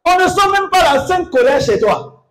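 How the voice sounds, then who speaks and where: A man preaching a sermon as pastor, exhorting the congregation with call-and-response and bursting into loud exclamations. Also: extremely high pitch, very animated, moderate pace.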